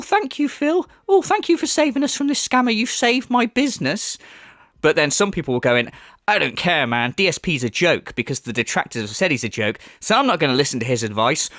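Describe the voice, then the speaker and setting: His voice is fairly high and fairly bright, slightly off from a cold, as this commentary channel host delivers his vlog with sarcastic mockery, profanity and plenty of fillers. The audio is studio quality, free of echo.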